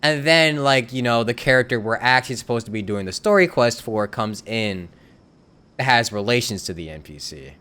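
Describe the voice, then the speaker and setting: A man streaming a video game keeps things casual and laid-back, laughing often and responding to his chat. His medium-pitched voice is animated and sharp in tone, moving at a moderate pace.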